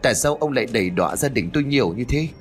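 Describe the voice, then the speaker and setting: A man's voice: mid-range voice, lively intonation, rapid-fire, voice pushed up, natural voice. A man voicing a grieving old grandmother who pleads and wails in a storybook reading. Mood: anguished. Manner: wailing, pleading.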